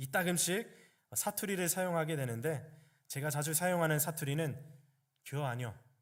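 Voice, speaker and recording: Over audible room echo, a man talks at a moderate pace with a fairly high pitch and ordinary pitch variation. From Chungcheong Province, Korea. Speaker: pastor. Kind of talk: sermon. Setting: church.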